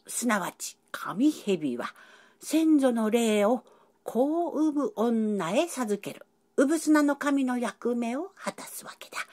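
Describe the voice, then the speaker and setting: A woman's voice: on the high side, full character voice. A woman voicing an elderly male professor who lectures at length in old-fashioned speech. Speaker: professor explaining ancient symbols. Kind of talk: educational dialogue.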